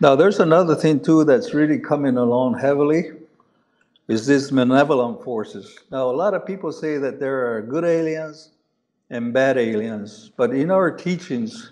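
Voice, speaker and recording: A man with an American accent speaks with lively intonation, and the room echo is audible. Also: fairly high pitch for a man, moderate pace. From Zuni Pueblo, New Mexico, US Southwest. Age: 70s. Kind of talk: conference talk. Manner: halting, many fillers.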